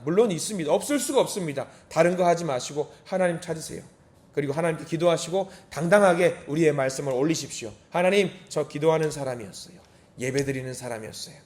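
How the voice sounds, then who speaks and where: A man's voice: a little high, a little mellow. A man preaching a dawn sermon in a church, earnest, asking rhetorical questions and acting out prayers. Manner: acts out quoted prayers and a child's voice. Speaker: pastor. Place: church sanctuary.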